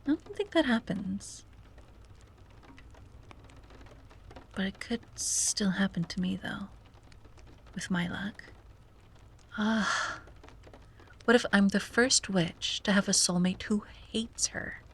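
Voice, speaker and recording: A woman playing a wistful, self-doubting young sea-witch in an ASMR roleplay, speaking softly and breathily with hesitant musing and frequent drops to a whisper. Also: mid-range voice, takes it slowly, pauses often, exaggerated voice. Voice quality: breathy, often dropping to a whisper. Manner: hesitant, musing, sighing, gently playful. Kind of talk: ASMR roleplay, soft intimate monologue.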